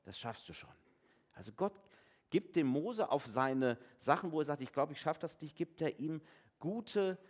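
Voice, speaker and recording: A male pastor preaches a family service sermon in a relaxed, conversational way. His pitch moves a lot, and he slips into voices for the people in his retold dialogues. The sound carries the long reverb of a church. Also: normal speed.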